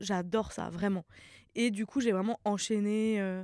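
On a very clean recording with a silent background and a dry, close sound with no echo, a woman speaks with a fairly high pitch and fairly even intonation. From Paris. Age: 30s. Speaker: TikTok creator. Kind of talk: casual chat.

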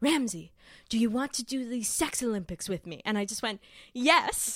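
At a moderate pace, a woman speaks with a Cape Breton accent. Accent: Cape Breton accent, toned down. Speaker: portrait artist and burlesque dancer. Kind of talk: casual interview chat.

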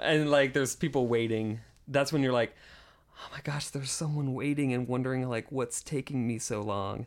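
Using a normal speaking voice, a man talks at a moderate pace in a medium pitch with fairly even intonation. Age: 30s. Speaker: sperm donor, business owner. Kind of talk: interview.

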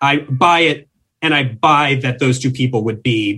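A man with an American accent talks at a medium pitch in a bright, sharp tone. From Minnesota. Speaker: film podcaster. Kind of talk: casual chat.

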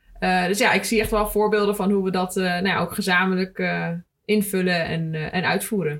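Her intonation flat and monotone, a woman talks at a moderate pace and medium pitch. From Netherlands, Amstelveen. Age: 20s. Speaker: city councillor and researcher. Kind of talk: casual interview. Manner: hesitant, many fillers.

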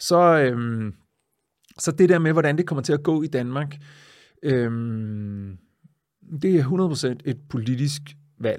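Recorded very cleanly against a silent background, a man with a fairly high pitch talks at a very slow pace, with ordinary pitch variation and long, frequent pauses. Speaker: spearfisherman. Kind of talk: interview.

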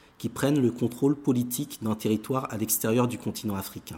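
A man's dark, mellow tone at a medium pitch, with fairly even intonation. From Benin. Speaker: historian. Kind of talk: interview.

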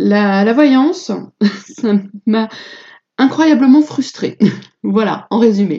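At a very slow pace, a woman talks at medium pitch, somewhat breathy, with lively intonation. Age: 40s. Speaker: spiritual coach and podcast host. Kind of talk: solo podcast monologue.

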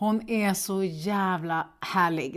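Pitched at a medium level, this woman's voice varies in an ordinary way. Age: 40s. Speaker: podcast co-host. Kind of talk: casual chat.

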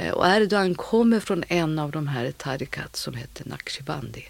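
Very wide pitch swings run through the woman's speech. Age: 60s. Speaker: journalist and author. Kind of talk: interview.

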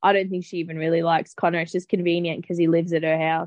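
The sound is dry and close, with no echo. A woman talks with a fairly low pitch. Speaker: podcast guest. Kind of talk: casual chat.

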